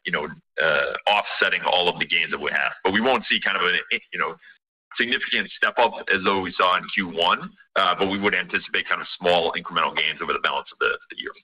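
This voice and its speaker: A very bright, forceful male voice sitting deep in pitch. He is a finance executive answering off the cuff on an earnings call, choosing his phrases with some hesitation. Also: fast, breathy edge, rough recording.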